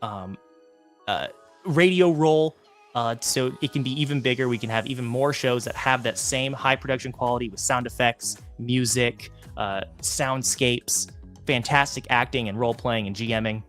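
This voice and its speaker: Eager man pitching his podcast. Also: normal speed, faint music behind. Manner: eager, pleading, animated. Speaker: podcast co-host. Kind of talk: livestream promo pitch.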